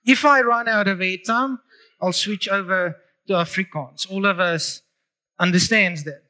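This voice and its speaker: A man's voice: high voice, unhurried, bright, forceful tone, poor audio. A middle-aged man with a South African English accent, preaching a sermon in church, moving from prayer to chatty, upbeat talk with the congregation. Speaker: pastor. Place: church hall.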